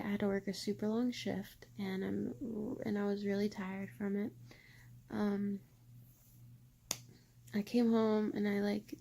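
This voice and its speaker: A woman's voice: fairly high pitch, warm tone, a little hiss or hum. A young woman chatting casually at home in a book vlog, gushing, giggly and swearing freely. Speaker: book vlogger. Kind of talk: casual chat.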